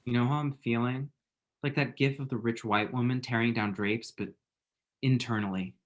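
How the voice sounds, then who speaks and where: A man's voice: mid-range voice, fairly even intonation, moderate pace, close to an everyday voice. A man reading the part of a dramatic, self-mocking young gay man, sarcastic and theatrical, at a table read over a call. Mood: rambling.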